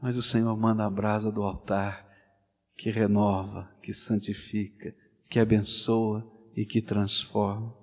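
A man with a Brazilian Portuguese accent preaching a sermon, swinging from loud animated storytelling to hushed, slow pleading. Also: lowish voice. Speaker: pastor. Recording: dull sound with long hall reverb.

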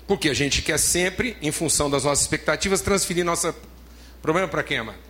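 A Brazilian-accented man preaches a sermon in a notably high voice. He is emphatic, hammers his points home by repeating phrases, and calls his listeners beloved. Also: animated, a little fast, fairly bright tone, slight background noise. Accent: Brazilian Portuguese. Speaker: pastor.

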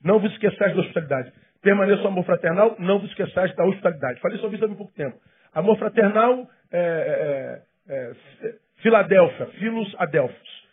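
A Brazilian Portuguese-accented man, a pastor, preaching a sermon with passion, swinging from loud emphasis to hushed tones. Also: high-pitched, animated, brisk, slightly rough. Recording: tinny phone-like sound.

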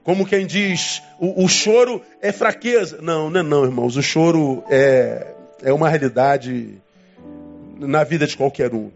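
A man preaching a sermon as pastor, emphatic, with dramatic swings in pitch and long pauses. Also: creaky, highs cut off, soft background music.

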